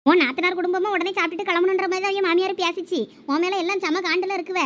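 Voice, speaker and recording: A woman's voice: very high-pitched, flat delivery, rapid-fire, a bit bright. A woman voicing bickering young village wives in a comic cartoon family drama, with a Thoothukudi Tamil accent and a quarrelsome, complaining manner. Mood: bossy. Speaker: cartoon voice actor.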